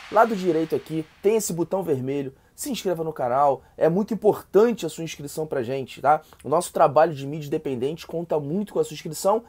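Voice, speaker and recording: A man's voice: a little high, a little mellow. Picture a Brazilian man with a head cold, his voice stuffed up and nasal. He hosts a fan channel and talks football news in a chatty, loose way, repeating himself and tossing in little fillers as he goes. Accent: Brazilian Portuguese. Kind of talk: casual football news vlog.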